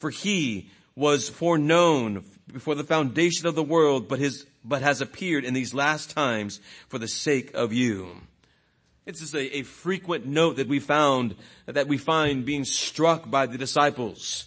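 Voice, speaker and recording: A man speaks in a plain, everyday voice at a fairly high pitch. His pace is fairly slow, with ordinary pitch variation. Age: 40s. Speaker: preacher. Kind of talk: sermon. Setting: church.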